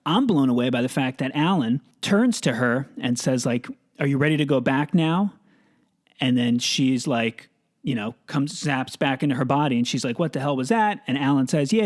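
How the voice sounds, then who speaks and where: Relaxed male podcast host. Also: medium pitch, brisk. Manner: relaxed, conversational, uses filler words. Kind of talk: casual chat and narration.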